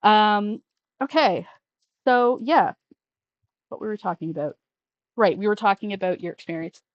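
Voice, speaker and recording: A trans man hosting a casual call-in show, talking in a rambling way with many restarts and trailing off quietly. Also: high-pitched, normal speed, no room sound, highs cut off. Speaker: podcast host taking call-ins. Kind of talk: casual conversational chat.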